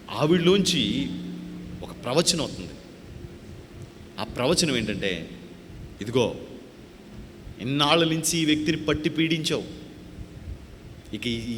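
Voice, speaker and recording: A man preaching a testimony sermon as a pastor, with a Telugu accent, calling out to the congregation and then dropping low to tell his story. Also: a bit bright, a little hiss or hum. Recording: hall reverb with faint ambience.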